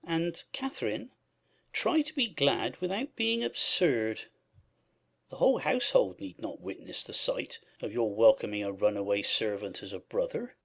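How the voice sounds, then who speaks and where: A cross, proper gentleman who talks down to those around him, as a woman reading a novel puts him on. The voice drops low and turns gravelly and husky, while the pitch swings widely from word to word. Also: wildly swooping pitch, unhurried, full character voice. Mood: stern. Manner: dry, curt and disapproving. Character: fussy, cross gentleman husband, proper and disdainful. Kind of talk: audiobook character voice.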